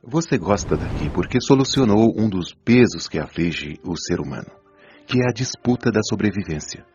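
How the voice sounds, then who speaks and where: Man playing a deep-voiced, patient Brazilian spirit doctor. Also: expressive, close to an everyday voice. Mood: instructive. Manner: didactic, measured, gently admonishing. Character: patient, wise male spirit doctor counselling souls. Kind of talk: Brazilian audio drama acting. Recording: dull lo-fi audio, music behind.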